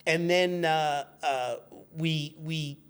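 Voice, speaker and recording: A man with a voice pitched a little high talks as a guest on a loose radio chat show. He explains and spins anecdotes with wry, dry humor. He often cuts himself off and starts the thought another way. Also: steady tone, drawn-out words, a bit bright, clear, resonant tone.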